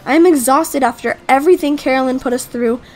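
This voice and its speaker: A woman's voice: high voice, fast talker, darkish tone, natural voice. A woman playing an outspoken, protective teenage girl, blunt and emphatic, in a game roleplay drama. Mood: indignant. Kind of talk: acted Roblox roleplay drama.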